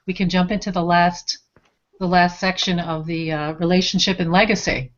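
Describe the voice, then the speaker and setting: A woman's voice: on the low side, flat delivery, moderate pace. A woman hosting a webinar conversation, giving brief affirming responses. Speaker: host, interviewer. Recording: dull lo-fi audio.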